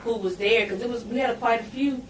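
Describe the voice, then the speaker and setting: A woman's voice: on the high side, fast talker, far from the mic. Roomy off-mic woman hosting an interview. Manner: affirming, frequent backchannels. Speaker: podcast host. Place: podcast studio. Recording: roomy, off-mic with faint hiss.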